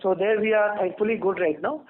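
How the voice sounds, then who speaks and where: A man's voice: high-pitched, a little fast, a little hiss or hum. A man with an Indian accent, a company executive explaining things on an earnings call, repeating words as he thinks. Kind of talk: answering questions on an earnings call. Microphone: telephone line. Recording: narrow, tinny phone line.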